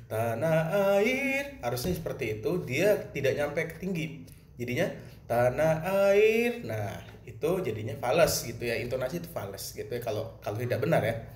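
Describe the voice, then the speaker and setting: A male teacher with a Jakarta Indonesian accent, his voice medium-pitched and a little mellow, plainly explains a music lesson, posing questions and answering them himself. It's a recorded lesson for students, captured in a roomy space with faint ambience.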